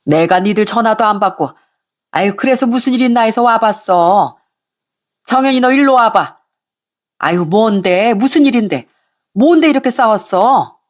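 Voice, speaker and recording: A woman voicing an angry middle-aged mother-in-law who scolds and nags in a shrill voice. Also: expressive, natural voice. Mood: scolding. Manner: shrill, scolding, rapid nagging.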